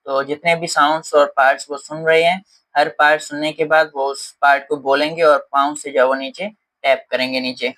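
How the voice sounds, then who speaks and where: A man's voice: fairly high pitch, little pitch movement, moderate pace, a bit bright. Man lecturing in with frequent fillers. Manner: Hindi mixed with English terms, frequent "uh" fillers and "okay" check-ins. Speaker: teacher. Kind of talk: lecture explaining teaching strategies.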